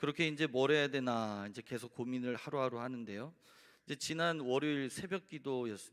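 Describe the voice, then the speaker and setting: The man speaks at a fairly quick pace, with medium pitch and ordinary pitch variation. His voice sits in a very clean recording against a silent background. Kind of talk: relaxed preacher, sermon talk.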